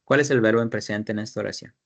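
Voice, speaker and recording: A man's voice: on the low side, steady tone, fast, creaky. A man teaching an English class, explaining grammar in Spanish, repeating his students' sentences and asking guiding questions.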